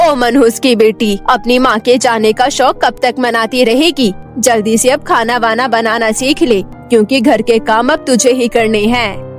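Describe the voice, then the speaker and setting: A woman's voice: on the high side, steady tone, unhurried, faint music behind, close to an everyday voice. A woman voicing a cruel old grandmother in a children's cartoon story, scolding with contempt and threats. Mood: harsh, scolding. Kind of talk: Hindi cartoon storybook acting.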